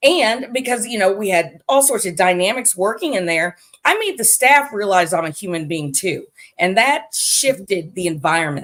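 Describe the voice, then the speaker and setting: With an American accent, a woman talks at a moderate pace using very wide pitch swings. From Virginia and Missouri, US. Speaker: motivational speaker, former prisoner. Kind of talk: interview.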